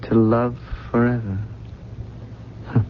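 An actor playing a gentle, world-weary man without a past in a 1970s radio drama, halting and reflective. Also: mid-range voice, level tone, natural voice. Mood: tender, wistful. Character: gentle, dreamy stranger with amnesia, quietly world-weary. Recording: dull, noisy 1970s radio broadcast recording.

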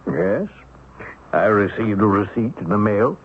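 An actor playing a stiff, haughty bank executive in a radio mystery drama, formal, cold and clipped. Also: male voice, on the low side, lively intonation, measured pace, husky. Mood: guarded, disdainful. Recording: muffled old radio broadcast.

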